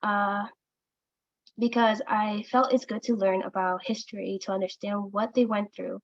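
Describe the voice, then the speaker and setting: A teenage girl, a student on a panel, answering haltingly as she searches for her words. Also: mid-range voice, steady tone, dry recording, lo-fi sound. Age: teens.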